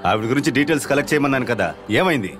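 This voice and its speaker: A man playing a brisk, stern police officer. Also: medium pitch, lively intonation, a bit bright, faint music behind, lightly acted. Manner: brisk, authoritative.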